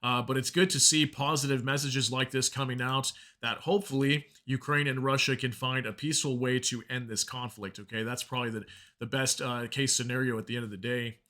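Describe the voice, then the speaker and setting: A man's voice: medium pitch, steady tone, brisk, bright, forceful tone. A man hosting an informal news commentary, explaining reports and reading out statements in a conversational way. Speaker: news commentary channel host.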